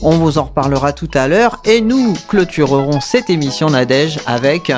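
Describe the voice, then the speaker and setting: A man's voice: on the high side, moderate pace, faint music behind. A man hosting a library radio show, presenting the program with many hesitations and self-corrections.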